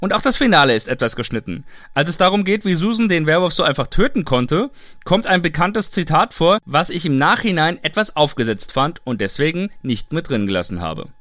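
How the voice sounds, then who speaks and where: Animated, higher-voiced man presenting. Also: brisk, no room sound. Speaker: audio drama maker and presenter. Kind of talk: informal explanatory commentary.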